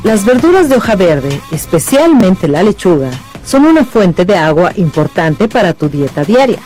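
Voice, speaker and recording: A woman narrating a scripted health tip as an announcer, lively and explanatory. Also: mid-range voice. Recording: music bed underneath.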